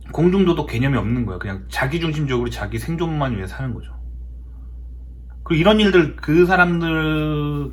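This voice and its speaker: A man from South Korea talking casually in a storytelling monologue, emphatic and often repeating his words for effect. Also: a little high. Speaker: host of a talk show.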